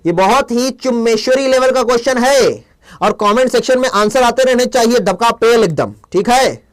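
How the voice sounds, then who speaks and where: A man's voice: extremely high pitch, moderate pace. A young man with a Hindi accent teaching a live online English class, playful and scolding his chat commenters. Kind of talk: live class with quiz questions.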